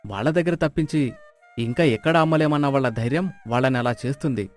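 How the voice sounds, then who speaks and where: An actor playing an aggrieved but respectful village farmer. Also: male voice, medium pitch, quick pace, natural voice. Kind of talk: moral storybook character voice. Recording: music behind the voice.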